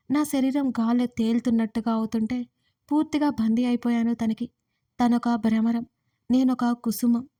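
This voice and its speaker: Casual: woman telling a love story in first person, soft and intimate, kinda high but mellow. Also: dry recording, studio quality. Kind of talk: first-person romance audio story narration.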